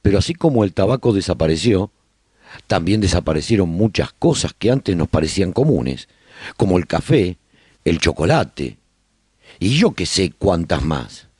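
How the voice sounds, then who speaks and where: A man playing a nostalgic survivor who chronicles colony life in a radio serial, with measured, expressive storytelling. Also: sits low, slightly rough, dry recording, studio quality, heavily acted. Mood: nostalgic, reflective. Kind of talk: scripted first-person radio drama narration.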